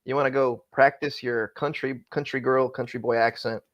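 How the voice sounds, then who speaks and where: A man's voice: mid-range voice, steady tone, normal speed, fairly bright tone, muffled recording. A man who used to be a freight broker, giving casual, candid advice in conversation, often restarting his sentences as he talks. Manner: rambling, frequent self-restarts, candid. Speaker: former freight broker, guest.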